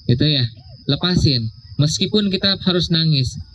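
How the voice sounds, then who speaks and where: A young man giving a casual religious talk, slowing down to stress key words and checking in with "ya". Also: a little high, lively intonation, a bit bright. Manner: conversational, drawn-out emphasis, frequent "ya". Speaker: religious speaker. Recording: dull lo-fi sound with faint noise.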